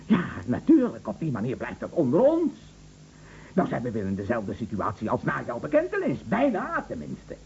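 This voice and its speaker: An actor playing a bitter, sarcastic betrayed husband with cold menace in a radio drama. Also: male voice, medium pitch, huge pitch swings, moderate pace, vocal fry, a little mellow. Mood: menacing, agitated. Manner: sarcastic, mocking, theatrical. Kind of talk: Dutch radio drama acting. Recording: dull lo-fi radio recording, faint hum.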